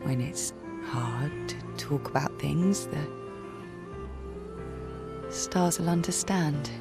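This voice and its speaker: A gentle, wistful young woman in a game cinematic, speaking very slowly in a soft, slightly low voice. A clear orchestral score runs underneath. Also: over music, heavily acted. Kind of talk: video game cutscene acting.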